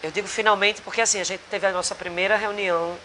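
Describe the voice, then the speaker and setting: Sitting in a bar, a singer and actor from Rio Grande do Norte speaks Brazilian Portuguese with a Potiguar accent in a casual interview, rambling earnestly with many restarts. His high voice is fast, bright, forceful, and steady. The recording is rough with slight background noise.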